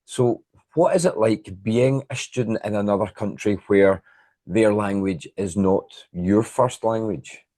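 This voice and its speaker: A man with a slightly low voice, recorded very dry, hosts an educational interview. He speaks conversationally and encouragingly, summing up points as he leads into questions. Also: a little slow, mellow, dry recording. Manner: encouraging, summarises before asking. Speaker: interviewer, host.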